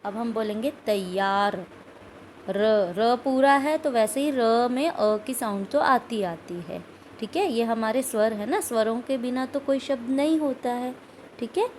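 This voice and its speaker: A woman's voice: a little high, moderate pace, a little mellow, a little hiss or hum, low-quality recording. A woman teaching a recorded school Hindi lesson, explaining step by step and repeating words and sounds aloud. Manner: asks questions of pupils, adds "ठीक है" often.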